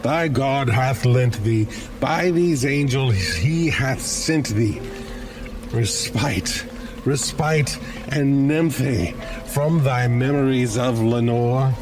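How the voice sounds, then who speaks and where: An anguished gothic mourner, acted out by a man, imploring and declaiming in a raised pitch. The delivery is theatrical and grief-stricken, like a storybook poem at full drama, with music underneath. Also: slow pace, natural voice. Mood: bitter anguish.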